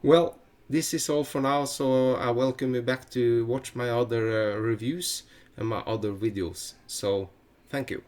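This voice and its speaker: A middle-aged Norwegian man speaking English with a Norwegian accent, hosting a casual fly-tying tutorial with halting phrasing and many fillers. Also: mid-range voice, fairly even intonation, darkish tone. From Norway. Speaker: fly-tying channel host.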